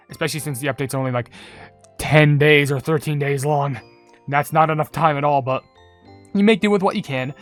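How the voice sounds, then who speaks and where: A video creator with a mid-pitched voice hosting casual gaming commentary, rambling and often correcting themselves mid-sentence. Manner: rambling, filler-heavy, trailing off and correcting self. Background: music.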